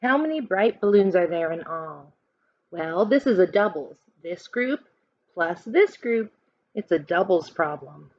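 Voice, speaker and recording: A woman teacher reads a picture book aloud to children, recorded in a dull, echoey room. Her pitch rises and falls in a lively way as she asks counting questions and coaches her listeners. She keeps an unhurried, leisurely pace.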